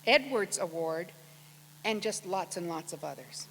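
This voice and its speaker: A woman's voice: on the low side, expressive, unhurried, a bit bright. A woman with an American accent giving a prepared introduction as host of an event, speaking to an audience. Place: large auditorium with long reverb. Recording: reverberant hall, clear background hum.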